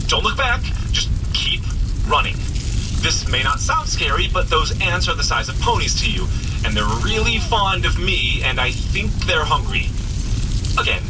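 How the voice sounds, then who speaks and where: A good-hearted, hapless superhero guide in an audio comedy. His voice sits high and swoops freely as he rambles nervously, apologizing and urging the runner on. Music plays behind him. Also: poor audio. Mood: frantic, rambling. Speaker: actor playing a superhero guide. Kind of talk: comedy audio drama acting, addressing the listener.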